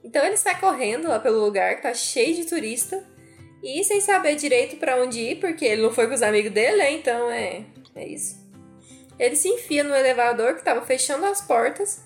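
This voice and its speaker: A woman's voice: high voice, expressive, brisk, soft background music. A woman co-hosting a casual chat, playfully teasing and recapping the plot. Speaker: podcast co-host.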